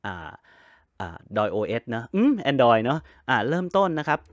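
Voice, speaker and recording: A man at a medium pitch talks through a computer tutorial in an easygoing way. He spells out letters one at a time and fills pauses with long, relaxed sounds. The sound is close and dry, with no room around it. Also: dry recording. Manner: chatty, step-by-step, spells letters with a phonetic alphabet; frequent drawn-out fillers. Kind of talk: casual screen-reader tutorial.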